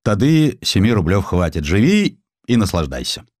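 A wealthy old-time factory boss in a storybook, voiced by a male narrator. He is kindly but curt and businesslike, speaking low. The recording is dry. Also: very animated, moderate pace, a little mellow, no room sound. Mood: brisk approval. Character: brisk, benevolent wealthy Moscow factory owner, male.

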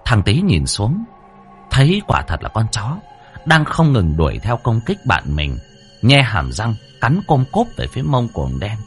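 A man narrating a scripted story with dramatic, expressive delivery. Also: on the low side, moderate pace, faint music behind.

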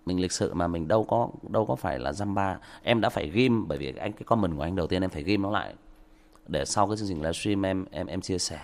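A man lecturing a commenter during a livestream, sarcastic and scolding, with sudden loud outbursts. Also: sits low, quick pace, creaky. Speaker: livestream story reader addressing a commenter. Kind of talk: livestream rant.

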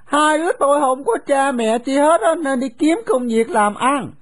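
A woman's voice: high voice, normal speed, pitched above the performer's own voice, lightly acted. A woman voicing a cheerful, bold young orphan boy who teases his friend. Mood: cheerful, eager. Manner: teasing.

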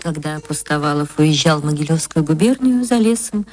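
Measured woman telling a classic story. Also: low voice, expressive, darkish tone, faint music behind. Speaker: narrator. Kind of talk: literary reading for radio. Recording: archival radio recording.

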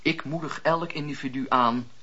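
An actor playing a fervent, earnest wandering preacher of the seventeenth century, declamatory, in a radio drama. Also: male voice, medium pitch, fairly even intonation, pushed and bright, husky. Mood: calm conviction. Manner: declamatory, impassioned storytelling with dramatic pauses. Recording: dull, lo-fi radio play recording.

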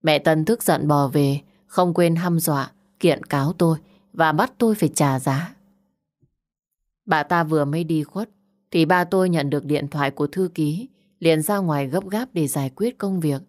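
Female narrator for a first-person audio story, measured delivery, slightly low voice. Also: a little mellow.

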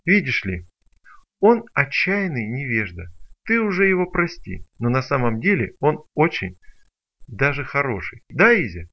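A man voicing a cocky, playful male stalker who teases loudly and theatrically. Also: medium pitch, sing-song, a little slow, voice pushed up. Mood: teasing. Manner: loud, teasing, theatrical. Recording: dull lo-fi recording.

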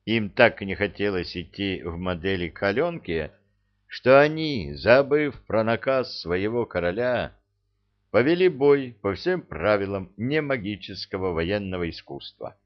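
A man narrating an audiobook fantasy story in an animated, theatrical reading. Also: lowish voice, lo-fi sound.

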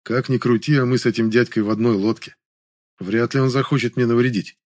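A man narrating a first-person audiobook in a calm, even reading manner. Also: medium pitch, a little fast, dry recording, studio quality.

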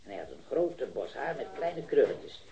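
Very animated and mellow, a medium-pitched male voice carries a little hiss or hum. It belongs to a stammering eyewitness in his thirties, a hesitant but eager metal worker who saw a robbery, in 1970s radio drama acting. He rambles uncertainly, halting and repeating words.

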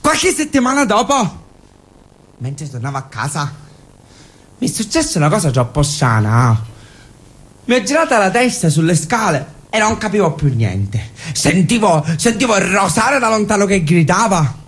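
A man's voice: sits high, very animated, normal speed, fairly bright tone, breathy edge, full character voice. An actor playing a naive, passionate young gay man in a stage monologue, with a Sicilian accent and a childlike, emotional manner. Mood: wistful narration. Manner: childlike, emotional, repetitive pleading. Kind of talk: theatrical monologue. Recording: music behind the voice.

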